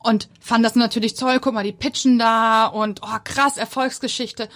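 Female co-founder guest, somewhat high voice, chatty storyteller. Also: fairly even intonation, normal speed, fairly bright tone. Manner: chatty storyteller, acts out quotes. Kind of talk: casual interview chat.

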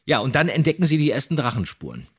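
A man's voice: mid-range voice, big pitch swings, fast, husky. A man who hosts a podcast and voice acts, commenting casually and animatedly on audio dramas, with theatrically quoted lines. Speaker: podcast host and voice actor.

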